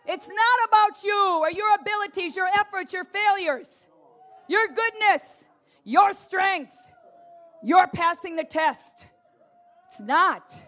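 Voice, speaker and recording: A woman preaches with a very high, bright voice and an unhurried, drawn-out delivery. She is animated and playful, mimicking her listeners and breaking into shouts and laughter as she drives home her points. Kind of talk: lively charismatic sermon.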